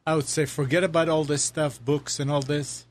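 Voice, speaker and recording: A man's voice: fairly high pitch, level tone, normal speed. A man offering a joking piece of advice in an amused way.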